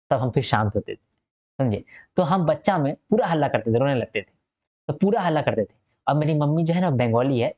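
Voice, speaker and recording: A man's voice: medium pitch, darkish tone. Guy teaching an exam prep lesson, keeps repeating stuff n checking you got it, kinda muffled lo-fi audio. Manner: explanatory, repeats key points and checks in with listeners. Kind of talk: recorded exam-prep lecture.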